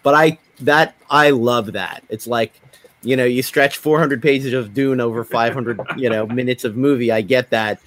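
A man's voice: medium pitch, steady tone, moderate pace, fairly bright tone, a little hiss or hum. A man hosting a podcast, chatting casually and wandering off into anecdotes. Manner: digressive, anecdote-telling. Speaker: podcast host. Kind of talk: casual conversational chat.

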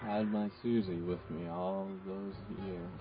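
A man playing a very old, frail, wistful castaway alone in space in an audio drama, speaking slowly. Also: deep voice, fairly even intonation, music in the background. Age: older. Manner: very old man's frail, slow delivery. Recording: muffled playback under overlapping commentary chatter.

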